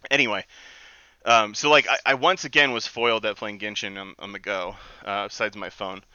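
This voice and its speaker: A man's voice: lowish voice, steady tone, moderate pace, pushed and bright, smooth, no room sound, lo-fi sound. A man co-hosting a casual group podcast, talking in a rambling way with many restarts. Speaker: podcast co-host.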